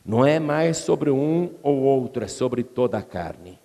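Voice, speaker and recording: The preacher, a man with a Brazilian Portuguese accent, speaks in an animated, measured way with a creaky, dark voice. He retells scripture in dramatic storytelling style during an expository sermon, raising his pitch to act out the crowd. His words echo with the long reverb of a large church hall.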